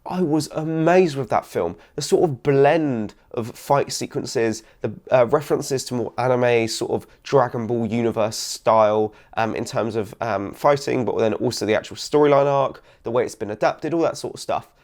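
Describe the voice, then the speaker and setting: Slightly raspy young man, rambling. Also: medium pitch, moderate pace, few pauses, a little mellow. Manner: rambling, many ums and sort ofs. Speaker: film reviewer. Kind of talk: casual vlog review.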